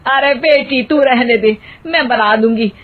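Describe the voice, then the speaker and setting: A woman's voice: a little high, unhurried. A woman voicing a bossy, exasperated middle-aged mother-in-law in a cartoon, scolding and exclaiming. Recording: tinny phone-like audio.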